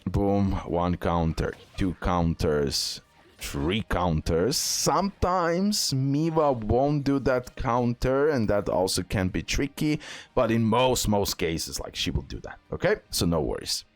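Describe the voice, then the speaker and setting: A man with a fairly low voice talks through game strategy as a video host. He is a non-native English speaker. His delivery is informal, and he often repeats phrases to stress a point. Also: sing-song, slow pace, dry recording, faint music behind. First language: not English. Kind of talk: casual game strategy commentary over recorded gameplay.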